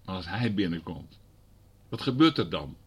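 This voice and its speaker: A man preaching a sermon who moves from quiet explaining to loud, fervent passages and keeps asking the congregation rhetorical questions. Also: low voice, big pitch swings, normal speed, slightly rough. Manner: conversational asides.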